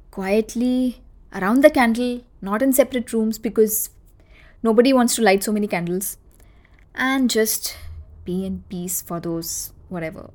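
A woman in her thirties with a South Asian accent, reminiscing in a casual solo podcast with conversational, emphatic repetition. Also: mid-range voice. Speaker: podcast host.

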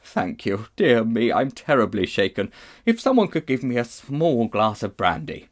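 A man voicing a feeble, shaken old gentleman in a storybook reading, fussy and genteel. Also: mid-range voice, big pitch swings, normal speed. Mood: faint, shaken.

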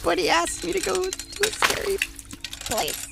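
A woman playing a meek, strange child who speaks with halting, formal politeness in an improvised audio drama. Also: very high-pitched, expressive, creaky, over loud music, exaggerated voice. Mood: innocent, earnest. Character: odd, meek, hollow child named Dirt, eerily polite.

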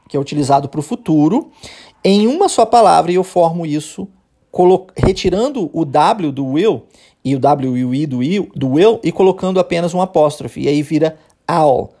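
A man with a Brazilian Portuguese accent teaching English on a podcast, animatedly drilling phrases and repeating them slowly. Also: fairly high pitch, mellow.

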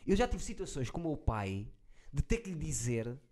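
A man's voice: medium pitch, big pitch swings, normal speed, warm tone. A man with a European Portuguese accent in casual chat, asking probing questions and telling personal stories candidly.

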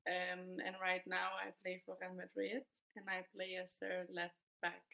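Young woman with a flat, even voice. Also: fairly low pitch, moderate pace, vocal fry, muffled recording. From Denmark. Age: 20s. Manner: relaxed, thoughtful storytelling with hedges. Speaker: guest footballer. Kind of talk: podcast interview.

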